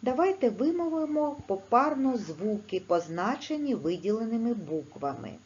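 A woman with a Ukrainian accent teaching a video lesson to schoolchildren, dictating slowly and clearly. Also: a little high, very animated, darkish tone. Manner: slow, clear, instructive dictation. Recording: slightly dull, faint background noise.

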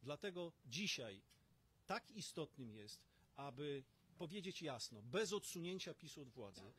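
Husky middle-aged man at a press podium. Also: a little high, sing-song, a bit bright. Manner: emphatic, rallying, with pauses and fillers. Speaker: opposition politician. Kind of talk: press conference statement. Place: outdoor terrace in front of a banner. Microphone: cluster of stand mics.

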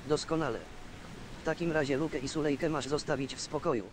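An actor playing a bold young wandering fighter, the blunt and challenging hero of a fantasy video game. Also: male voice, fairly high pitch, fairly even intonation, fast talker, lightly acted. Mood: commanding. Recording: game audio with clear ambient noise.

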